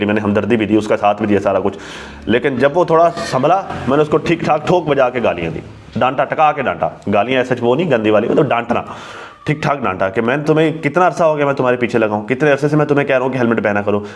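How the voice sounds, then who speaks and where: Man lecturing viewers in a vlog. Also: medium pitch. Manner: lecturing, repeats "ठीक है" often. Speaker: vlogger. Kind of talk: casual talk to viewers.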